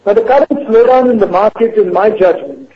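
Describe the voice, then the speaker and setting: Male executive with a high-pitched voice. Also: a little fast. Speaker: senior company executive. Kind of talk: corporate earnings call remarks. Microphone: conference call line. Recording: dull lo-fi conference call audio.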